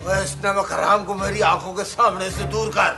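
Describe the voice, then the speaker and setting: An actor with a Pakistani accent playing a proud, stubborn landowner in a television drama, indignant and emphatic. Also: male voice, high-pitched, steady tone, moderate pace, creaky. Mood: defiant. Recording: old TV drama soundtrack with music.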